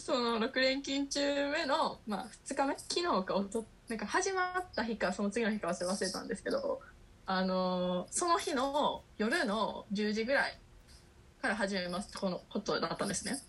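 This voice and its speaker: There is noticeable background noise as a woman with a fairly high pitch speaks at a moderate pace, her pitch swinging very widely. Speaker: podcast host, university student. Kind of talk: casual chat. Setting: video call.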